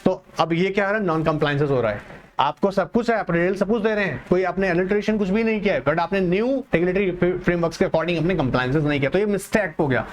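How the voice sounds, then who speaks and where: A man teaching an online exam-prep class, reading English points slowly and explaining them in Hindi mixed with English, calling his students "beta". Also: sits high.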